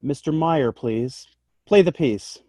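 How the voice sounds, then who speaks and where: Casting: man as fussy, exasperated music teacher, somewhat high voice, close dry sound, table read. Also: takes it slowly, dark tone, dry recording. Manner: clipped, exasperated. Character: anxious, exasperated short balding high school band conductor. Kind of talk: amateur screenplay table read. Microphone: virtual table read over video call.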